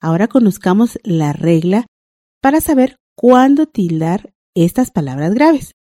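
A woman teaching a language lesson on a broadcast, reading out rules and examples in a clear, deliberate way. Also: medium pitch, big pitch swings, warm tone, no echo, studio quality.

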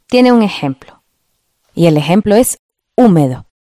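A woman's voice: fairly low pitch, animated, a little slow, dark tone, no echo. Patient female radio teacher, dry sound. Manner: clear, patient, asks ¿verdad?. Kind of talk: scripted radio lesson.

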